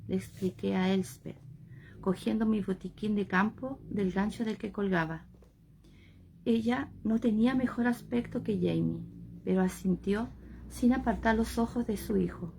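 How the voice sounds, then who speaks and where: Lady reading an audiobook, gravelly voice, mid pitch, takes her time. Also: mellow, slight background noise. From Chile. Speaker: volunteer audiobook reader.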